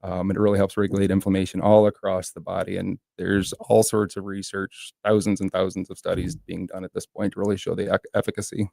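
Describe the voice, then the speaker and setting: A man with a very deep, gravelly voice talks fast and earnestly as a guest on a radio show, explaining at length. His tone is dark and mellow. The sound is dry and close. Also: level tone, dry recording. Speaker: health food store owner, guest. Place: radio studio.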